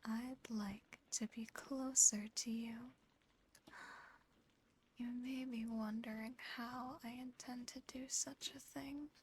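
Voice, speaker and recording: A woman playing a seductive, possessive female sleep paralysis demon in a teasing, breathy ASMR whisper, close to the microphone. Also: a little high, fairly even intonation, slight background noise, rough recording. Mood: coy, seductive. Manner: slow, breathy whispering, teasing, lingering pauses.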